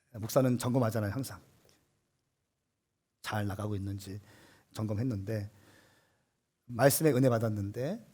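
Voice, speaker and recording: A male pastor preaching a sermon, animated and swelling to emphatic peaks, with a husky voice. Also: mid-range voice.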